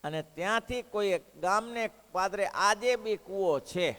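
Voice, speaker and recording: A man preaching a devotional sermon, telling a story in an animated way and putting questions to the listeners. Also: fairly high pitch, creaky. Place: hall of a religious school. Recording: echoey hall.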